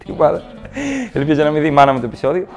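A man telling stand-up comedy stories, animated and switching into mock voices. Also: fairly high pitch, vocal fry, over music.

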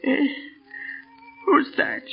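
An actor playing a very old, kindly British schoolmaster who talks in a slow, faltering, wistful way, in classic radio drama style. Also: male voice. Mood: dazed. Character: very old, kindly, absent-minded retired English schoolmaster. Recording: muffled old radio broadcast, music behind.

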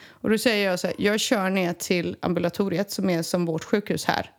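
A woman from Sweden recounting a personal story in casual conversation, animated and acting out the people she quotes. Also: medium pitch. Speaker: guest telling a personal story.

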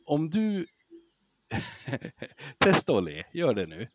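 A man who gives lectures, talking as a podcast guest in a casual, lively way, acting out examples and laughing easily. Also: fairly high pitch, background noise. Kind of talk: casual interview talk.

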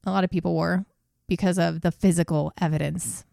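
Gravelly-voiced woman telling a true crime case. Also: lowish voice, steady tone, fairly quick, warm tone, no echo, clean studio sound. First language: English. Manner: blunt, swears, laughs at grim moments. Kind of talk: casual true crime storytelling.

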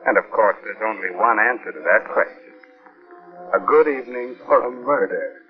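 An actor playing a sly, sinister horror host in the theatrical manner of an old radio announcer. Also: male voice, on the low side, moderate pace, close to an everyday voice. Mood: sly, gleeful. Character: ghoulish male horror host, slyly menacing. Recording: muffled 1940s radio recording with music.

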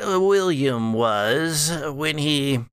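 A man's voice: a little high, animated, drawn-out words, a bit bright, clean tone, no room sound, studio quality, full character voice. A man playing a sardonic undead family patriarch in a horror tabletop game, theatrical and drawling as he chuckles through old secrets. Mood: storytelling, relishing.

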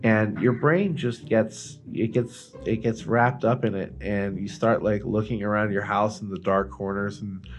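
Low-voiced man, casual podcast storyteller. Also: steady tone, unhurried, hardly any pauses. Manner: profane, informal, emphatic. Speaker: podcast co-host.

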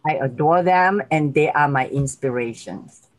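A woman's voice: low-pitched, measured pace, low-quality recording. Laughing Malaysian woman in her sixties. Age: 60s. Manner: warm, grateful, laughs often. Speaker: guest speaker. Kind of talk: speaking on a video call. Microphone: video call.

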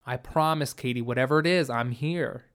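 A man reading the part of a gentle, accepting father in an audiobook, with a tender, reassuring manner. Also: medium pitch, normal speed, clean tone, pitched below the performer's own voice, close to an everyday voice. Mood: concerned, reassuring. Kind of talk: audiobook character dialogue.

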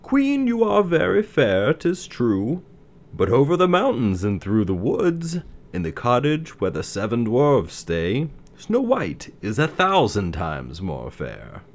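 A man voicing a solemn, truthful magic mirror in a read-aloud fairy tale, in a measured delivery. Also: medium pitch, huge pitch swings, pitched above the performer's own voice, heavily acted.

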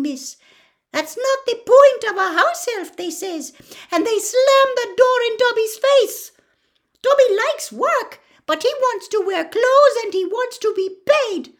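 A woman's voice: very high voice, voice pushed up, heavily acted. A woman voicing a small, eager male house elf who talks shrilly in broken grammar and keeps saying "sir".

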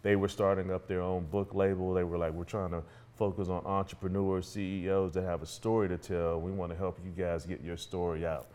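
A man's voice: deep voice, flat delivery, a little fast, hardly any pauses, darkish tone. A middle-aged man with an African American accent, talking casually and earnestly as a guest on an interview show, offering encouraging advice. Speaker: podcast guest, entrepreneur and author.

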